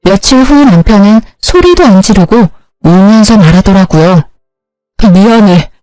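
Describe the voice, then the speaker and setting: A woman's voice: medium pitch, expressive, normal speed, dark tone, no echo, soft background music, rough recording. A woman telling a first-person family story in a plain, confiding way.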